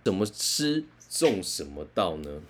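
A man, a career counselor telling a story in an animated, conversational way. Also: low-pitched, a little slow, slight background noise. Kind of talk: storytelling talk.

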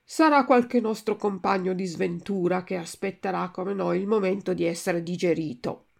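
A woman's voice: on the low side, moderate pace, vocal fry. A woman voicing a resigned, philosophical male tuna with a cracked voice in a storybook reading. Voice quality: cracked, like an untuned guitar.

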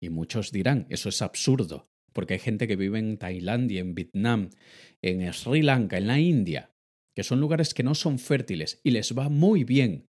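A man talking straight to camera in a personal motivational monologue, emphatic and animated, swinging between loud outbursts and quiet asides. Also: lowish voice, moderate pace. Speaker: motivational speaker.

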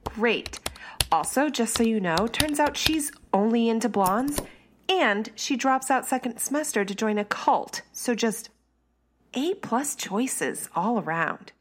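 Sardonic stranded space scientist. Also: female voice, on the high side, expressive, takes it slowly, a little hiss or hum. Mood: sarcastic. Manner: sardonic self-talk, mutters and whispers to herself. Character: sarcastic young woman scientist stranded alone in space. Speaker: stranded ship biologist. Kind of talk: audio drama acting.

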